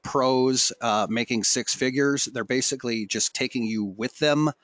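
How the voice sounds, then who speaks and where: A man's voice: mid-range voice, a little slow, a bit bright, dry recording. A middle-aged man hosting a voiceover webinar, chatty and joking, laughing often as he takes callers' questions. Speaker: host and voiceover coach. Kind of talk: casual webinar chat.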